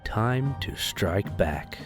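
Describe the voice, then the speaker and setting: A man's voice: fairly low pitch, expressive, very slow, faint music behind. A man reading scripted story narration expressively as the narrator of an audio drama.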